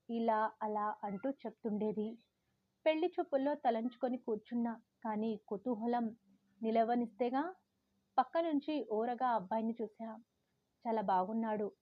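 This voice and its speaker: A woman from Telangana reading a first-person story aloud, lively and acting out the feelings. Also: on the high side, no room sound, lo-fi sound. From Telangana, India.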